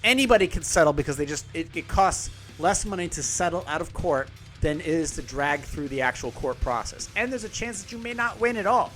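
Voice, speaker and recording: A man's voice: a little high, expressive, a little fast, hardly any pauses, a bit bright, faint music behind. Sarcastic, profane male podcast host. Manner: sarcastic, profane, rambling with self-corrections. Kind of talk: casual commentary, reading an article aloud.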